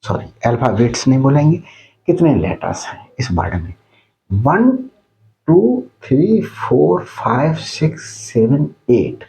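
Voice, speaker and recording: A male maths teacher walks through a problem at a very slow, deliberate pace. His pitch rises and falls freely as he counts items aloud one by one. The tone is mellow and soft. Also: sing-song, vocal fry, rough recording. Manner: counts aloud slowly, addresses students as children. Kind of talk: slow step-by-step maths lesson.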